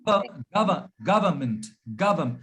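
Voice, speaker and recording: A man with an Indian accent coaching pronunciation on a video call, drilling words slowly and switching into Hindi. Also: fairly high pitch, lively intonation, a bit bright. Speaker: pronunciation trainer.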